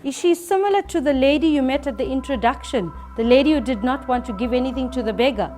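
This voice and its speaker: A woman teaching a reading lesson to a class, lively and playful. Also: high-pitched, fast talker, faint music behind. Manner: lively, switching to a playful storyteller persona.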